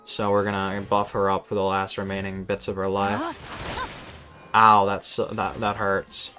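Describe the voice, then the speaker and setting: A man's voice: on the low side, completely flat delivery, measured pace. A man streaming a game with casual, exasperated, sweary running commentary, often stammering over repeated words. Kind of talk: casual live gameplay commentary. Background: game music.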